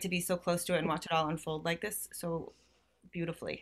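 Speaking at a fairly quick pace, a woman has a bright, sharp tone. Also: very clean recording, silent background. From Massachusetts. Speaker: actress and writer. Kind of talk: casual interview.

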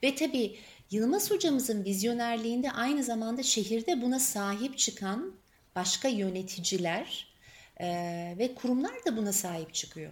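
A woman speaks with an unremarkable speaking voice at a fairly high pitch. Her pace is moderate and her intonation is lively. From Turkey, Eskişehir. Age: 50s. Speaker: city cultural administrator. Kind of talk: interview.

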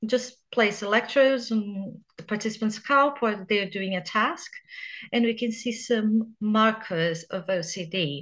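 Against a quiet background, a woman with a Brazilian accent speaks at a fairly slow pace, her fairly high pitch showing ordinary variation. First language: Portuguese. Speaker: psychologist and researcher. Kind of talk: interview.

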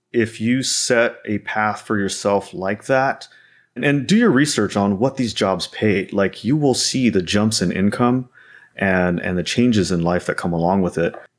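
An unremarkable speaking voice moves at a moderate pace with lively intonation in a very clean recording with a silent background. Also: man. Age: 40s. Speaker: presales engineer. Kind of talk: interview.

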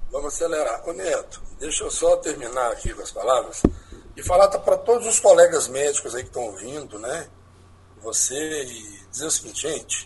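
A man with big swings in loudness keeps a moderate pace while noticeable background noise plays beneath. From Minas Gerais, Brazil. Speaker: cardiologist. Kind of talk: casual interview.

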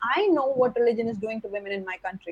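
A woman talks at a very fast pace in a high pitch. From southern India. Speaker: filmmaker and activist. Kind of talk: interview.

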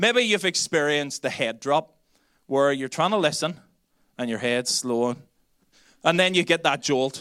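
Bright, sharp in tone, a man with a Belfast accent speaks at a moderate pace. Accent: Belfast (Northern Irish). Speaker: pastor. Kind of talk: sermon. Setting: church with live audience and online stream.

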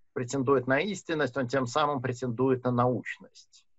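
Heard here is a man with an unremarkable speaking voice, medium pitch and fairly even intonation. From Russia, Murmansk region. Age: 50s. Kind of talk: interview.

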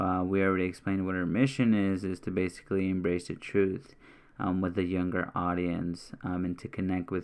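Over a quiet background, a man speaks with a very deep, low pitch. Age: 20s. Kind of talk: casual religious podcast monologue. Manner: monotone; halting, many filler words.

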